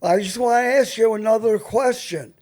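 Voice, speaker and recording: A man's voice: high voice, normal speed, a little mellow. An older man hosting a show, chatting casually and asking questions. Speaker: host. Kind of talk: casual chat.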